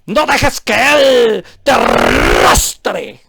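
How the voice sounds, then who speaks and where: A man imitating a sugary woman preacher flattering her flock, in a mocking sing-song. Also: extremely high pitch, drawn-out words, gravelly, full character voice.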